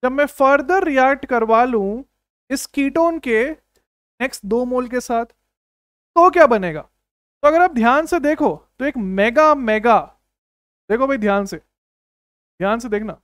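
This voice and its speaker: A man with a high, bright-pitched voice runs an energetic exam-coaching chemistry lecture. He keeps firing rhetorical questions at his students and repeats short commands. The sound is dry and close, with no room around it. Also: slow pace, long pauses, clear, resonant tone, no room sound. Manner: repeats short commands like "don't write, understand". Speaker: chemistry teacher.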